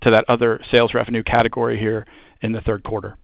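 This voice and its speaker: Informal halting man, muffled call audio. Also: on the low side, flat delivery, vocal fry, dry recording. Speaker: company executive answering analysts. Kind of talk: earnings call answers, unscripted.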